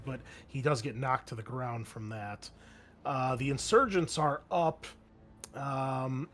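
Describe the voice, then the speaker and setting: A man's voice: medium pitch, slight background noise. A man running an online tabletop roleplaying game, explaining things in a casual way. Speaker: game master.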